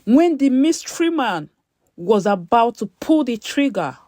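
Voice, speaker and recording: A woman narrating a scripted story dramatically, breaking her sentences into short, deliberate phrases. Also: on the high side, sing-song, mellow, dry recording, studio quality.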